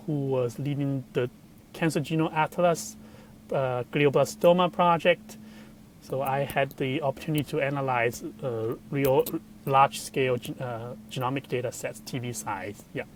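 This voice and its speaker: Middle-aged male guest, Chinese accent, mid-pitched, halting conversational storytelling, some noise in the room. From southern China. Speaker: guest, computational biologist. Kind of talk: personal story told in an interview.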